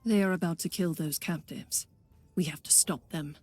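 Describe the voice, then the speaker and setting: An actress playing a stern, scornful pagan warrior woman in a fantasy video game, husky and biting. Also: deep voice, moderate pace, darkish tone, no echo, faint music behind. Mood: urgent. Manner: biting, sardonic, commanding.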